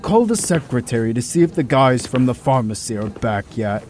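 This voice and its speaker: A man playing an earnest, troubled hospital doctor in an amateur audio drama, speaking in a deliberate, halting, dramatic way. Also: mid-range voice, sing-song, darkish tone, a little hiss or hum, lightly acted. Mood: casual.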